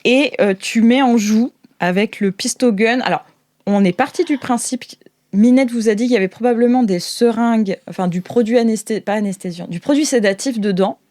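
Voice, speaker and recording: A woman hosting an improvised tabletop game, narrating in an informal, halting, giggly way. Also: a little high, darkish tone, no echo, clean studio sound. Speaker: game master, show host.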